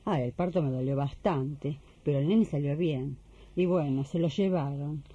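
A woman's voice: deep voice, normal speed, dark tone, husky. Actress as devout young mother, muffled Rioplatense Spanish. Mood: tender, moved. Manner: chatty, heartfelt, colloquial. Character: emotional devout young mother pilgrim recalling childbirth. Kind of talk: Spanish-language radio drama acting.

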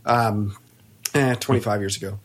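A man's voice: lowish voice, steady tone, moderate pace. A man hosting a casual podcast conversation who talks in an easygoing way, full of "you know". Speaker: podcast host and shop owner.

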